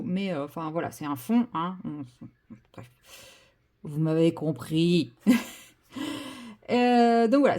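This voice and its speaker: A woman's voice: medium pitch, mellow. A woman chatting casually while she paints, full of fillers and self-deprecating asides. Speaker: vlogger.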